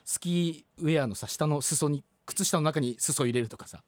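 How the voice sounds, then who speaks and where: A man's voice: a little high, normal speed, dry recording. A male radio host who jokes and teases in casual chat, and also reads the news. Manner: playful, teasing, chatty.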